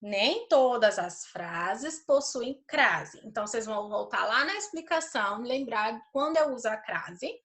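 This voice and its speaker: A woman teacher, giving a recorded grammar lesson to schoolchildren. She reads example sentences slowly and deliberately, stopping often to ask "certo?". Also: a little high, animated, fairly bright tone. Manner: checks understanding with "certo?".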